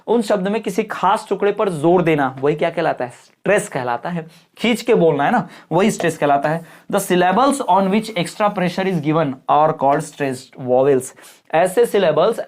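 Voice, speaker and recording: A woman teacher giving an exam-prep lecture. She reads English definitions slowly, explains them, and often stops to check that her students understand. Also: on the low side, a little mellow. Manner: keeps checking understanding with quick questions.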